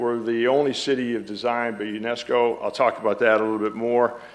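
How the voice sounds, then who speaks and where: A man with a medium pitch speaks with a Michigan accent. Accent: Midwestern American (Michigan). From Detroit, Michigan. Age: 60s. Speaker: business executive. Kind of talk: keynote speech. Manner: halting, many fillers.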